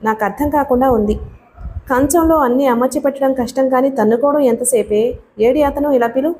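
A woman's voice: high-pitched, fairly quick, warm tone, a little hiss or hum, lightly acted. A woman reading an audiobook voices a stern, worried, ailing older mother who scolds her daughter. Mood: scolding. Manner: scolding, sighing.

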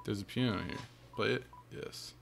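A man's voice: lowish voice, normal speed, creaky, a little hiss or hum. A man giving casual let's-play commentary, reading game text aloud and muttering exasperated asides to himself. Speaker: video game streamer. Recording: game music under the voice. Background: video game music.

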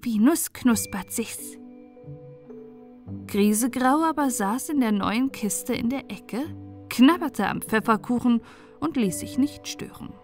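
A woman's voice: fairly high pitch, expressive, unhurried. A woman reading a scripted storybook tale as a narrator, in a bedtime audiobook style. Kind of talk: scripted storybook narration for relaxing and falling asleep. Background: music.

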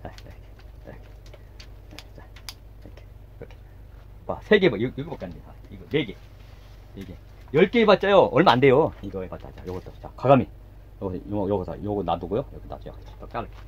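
A man's voice: low voice, animated, fast talker, pauses often, a little mellow, slightly rough, lo-fi sound. A middle-aged man demonstrating garden work outdoors in a casual way, talking while he works, repeating short words and muttering asides. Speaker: gardening channel host. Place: outdoors by a house.

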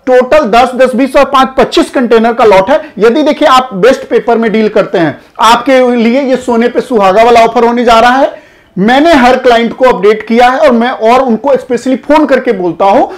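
Recorded indoors on a lapel mic in front of a projected screen, a man in his thirties explains an auction listing to camera with lively energy, broad gestures, and direct address to viewers. He's a customs auction consultant and channel host, and his very high voice moves at a moderate pace.

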